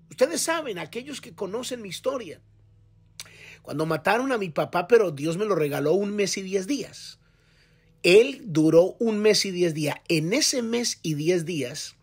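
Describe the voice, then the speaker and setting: A man's voice: high-pitched, slightly rough. A male pastor giving a devotional sermon, speaking in an impassioned, conversational way straight to the listener.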